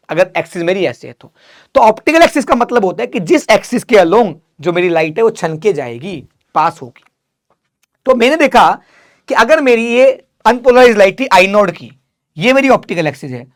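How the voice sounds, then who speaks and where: A man teaching physics in an exam revision lecture, asking students questions and then answering them himself. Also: high-pitched. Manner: calls students "beta", casual and direct.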